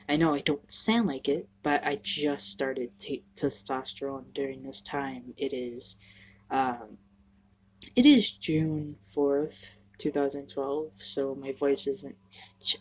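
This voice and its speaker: A young trans man talking candidly to the camera in a casual home vlog, halting and self-deprecating, sniffly from allergies. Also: mid-range voice, breathy edge, rough recording. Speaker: vlogger. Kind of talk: casual personal vlog monologue.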